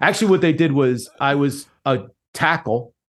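A man speaks in an unremarkable speaking voice, fairly high in pitch, at a moderate pace. His pitch varies in an ordinary way against a quiet background. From New Jersey, US. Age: 50s. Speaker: executive recruiter and podcaster. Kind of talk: casual interview conversation.

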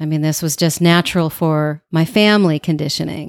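A woman speaks in a plain, everyday voice at a moderate pace. Her pitch sits fairly low. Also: very clean recording, silent background. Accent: American. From Denver, Colorado. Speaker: hypnotherapist in recovery. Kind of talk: personal testimony interview.

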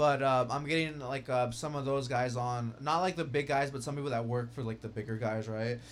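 A man's medium-pitched voice at a fairly quick pace, with fairly even intonation and hardly any pauses. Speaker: podcast host. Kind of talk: casual chat. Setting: video call. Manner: loud.

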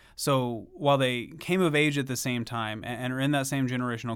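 A man talks at a moderate pace in a plain, everyday voice. The recording is very clean, with a silent background. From Missouri, US Midwest. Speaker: accounting trainer and consultant. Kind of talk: interview. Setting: studio.

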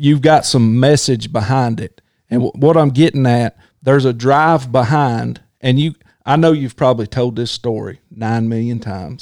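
A man with a Southern US accent speaks at medium pitch and a moderate pace with ordinary pitch variation on a very clean recording with a silent background. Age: 40s. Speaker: podcast host. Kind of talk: casual chat. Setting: studio.

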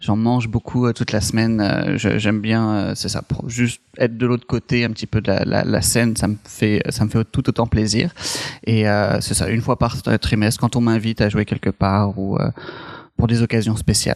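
The dry, close sound with no echo carries a man's medium-pitched voice and fairly even intonation. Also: moderate pace. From France, Paris region. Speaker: improv trainer. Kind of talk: interview. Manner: halting, many repetitions.

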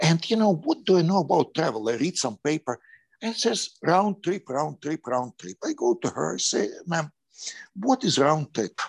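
Using very wide pitch swings, a man with a high pitch talks at a moderate pace. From Ukraine, Kyiv. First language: Ukrainian or Russian. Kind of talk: interview.

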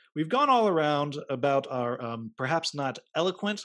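A man with an ordinary speaking voice, fairly high in pitch, with lively intonation over a quiet background. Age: 30s. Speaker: board game reviewer and video podcast host. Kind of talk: casual chat.

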